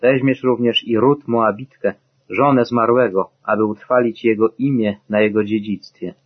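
A man reading the part of Boaz, an older landowner, kind and firm, in a solemn, measured way, in a dull lo-fi recording. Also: lowish voice, steady tone, husky.

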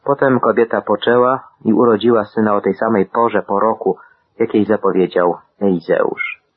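A man reading scripture aloud in a husky voice, with a measured, solemn manner, over a tinny radio-like sound. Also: on the low side, steady tone. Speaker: Bible reader.

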